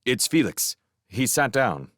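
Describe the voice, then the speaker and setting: A man's voice: mid-range voice, very animated, unhurried, fairly bright tone, no echo, studio quality, pitched above the performer's own voice. A man voicing an uneasy soldier asking worried questions. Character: male soldier Kent, uneasy.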